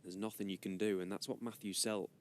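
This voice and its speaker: Male snooker commentator, low voice, measured live delivery, some rumbly background noise. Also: little pitch movement.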